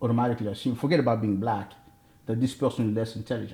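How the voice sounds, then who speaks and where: A man with an African accent speaks at a medium pitch with fairly even intonation. His tone is dark and mellow, and somewhat breathy. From Congo. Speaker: tech executive. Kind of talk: interview.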